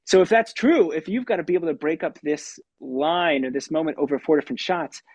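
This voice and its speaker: Man, puppeteer, youthful tenor voice, animated, slightly husky tone, dry sound. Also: a little high, brisk, dry recording. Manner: animated, laughs often. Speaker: puppeteer and voice actor. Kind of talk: conversational interview answers.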